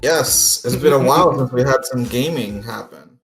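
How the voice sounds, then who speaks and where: A man's voice: medium pitch, normal speed, fairly bright tone. A man narrating a tabletop game casually as game master, in a playful, jokey manner. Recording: roomy echo, music behind.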